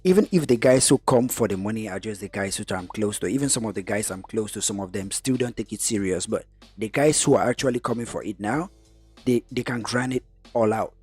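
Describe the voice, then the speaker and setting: A man from Cameroon talking about his business in a podcast conversation, getting animated when he stresses a point. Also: fairly low pitch, a little fast, slightly rough, soft background music. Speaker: guest investor.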